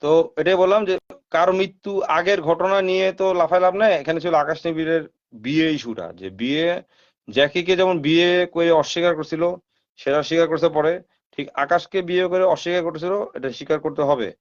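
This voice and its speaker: Man, live stream host, casual commentary, slightly high voice, rhetorical questions to viewers, mixes in English phrases, dull lo-fi audio. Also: quick pace. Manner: talks straight to viewers, asks them rhetorical questions.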